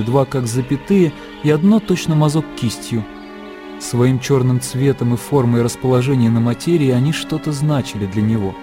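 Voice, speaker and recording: A man reading the narration of a classic radio play in a measured, even manner. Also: mid-range voice. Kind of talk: scripted literary narration.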